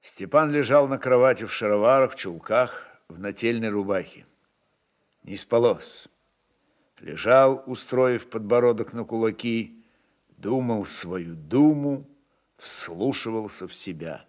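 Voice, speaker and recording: A man narrating historical fiction in a measured, expressive, deliberate way. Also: fairly low pitch. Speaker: narrator reading a literary work. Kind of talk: dramatic literary narration of a historical novel.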